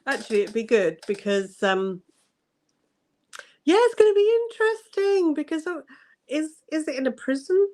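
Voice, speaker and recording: A woman's voice: high-pitched, big pitch swings, moderate pace, pauses often, darkish tone. A woman guest in a casual book chat over a video call, hesitant and thoughtful, with many ums.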